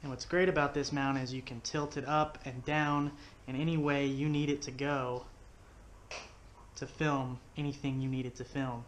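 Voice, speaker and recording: Speaking into an action camera strapped to his head, a Texan man who hosts fishing videos casually explains, step by step, how he's building something in his living room at home. His mid-range voice is flat and moderately paced, and a little hiss or hum can be heard.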